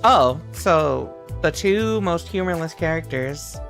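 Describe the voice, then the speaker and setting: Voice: mid-range voice, expressive, slow pace, vocal fry, fairly bright tone. A streamer casually chatting and joking with a co-host and the chat while playing a game, with faint game music behind.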